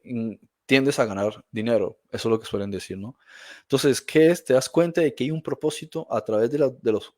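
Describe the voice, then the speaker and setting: A man's voice: medium pitch, darkish tone, no echo, clean studio sound. A man speaking as a guest in a reflective conversation, emphatic and blunt, often restarting his sentences.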